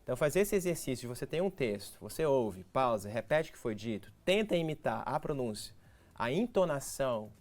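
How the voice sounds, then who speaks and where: A man's voice: medium pitch, sing-song, brisk. A Brazilian man with a Brazilian Portuguese accent, an English teacher giving didactic, step-by-step advice as a guest in a TV studio interview. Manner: didactic, explains step by step with practical tips.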